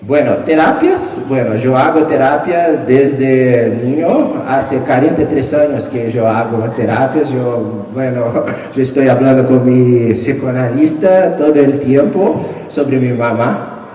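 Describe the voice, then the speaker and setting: A man in his forties, a native Portuguese speaker from Brazil, presenting his book at a live panel, halting and joking with frequent restarts and chuckles. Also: medium pitch, dark tone. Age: 40s. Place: large hall with long reverb. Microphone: distant from the mic. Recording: echoey hall, far from mic.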